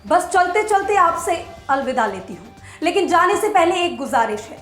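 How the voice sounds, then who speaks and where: A woman's voice: extremely high pitch, big pitch swings, moderate pace, fairly bright tone. A woman news presenter delivers scripted commentary, emphatic and rhetorical with a sarcastic edge. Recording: echoey room with music behind.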